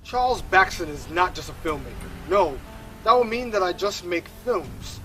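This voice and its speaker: A man's voice: high-pitched, sing-song, moderate pace, sharp tone, echoey room, far from the mic, soft background music, full character voice. A man playing a pretentious, self-worshipping film auteur in a mock documentary interview. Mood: grandiose. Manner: grandiose, pretentious, self-serious. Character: pompous self-worshipping male auteur filmmaker.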